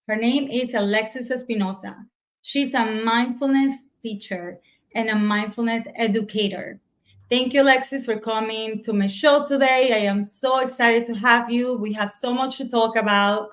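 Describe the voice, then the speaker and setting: Slow, enthusiastic woman host. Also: fairly high pitch. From United States. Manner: enthusiastic, encouraging, drawn-out prompts. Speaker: show host. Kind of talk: interview hosting.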